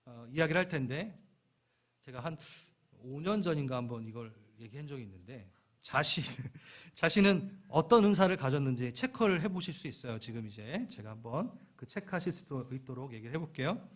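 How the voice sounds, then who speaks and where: A man's voice: mid-range voice, expressive, fairly quick. A middle-aged man preaching a sermon as pastor of a church, playful and acting out little scenes in voices. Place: church sanctuary.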